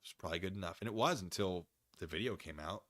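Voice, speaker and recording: An American man streaming a dramatic reading of a document, breaking off into wry, excitable, casual asides as he goes. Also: sits low, quick pace, no room sound, studio quality. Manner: animated, wry, digressive, easily excited.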